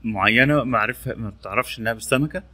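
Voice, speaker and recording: Demonstrating a training tool in a casual screen-recorded tutorial, a man with an Egyptian Arabic accent repeats the labels as he goes. He talks in rapid-fire bursts with a mid-range voice and a sharp tone.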